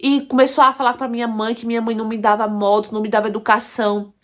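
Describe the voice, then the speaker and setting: A woman's voice: fairly high pitch, little pitch movement, fast. A woman telling a first-person life story, emphatic and repetitive, often turning to her listeners.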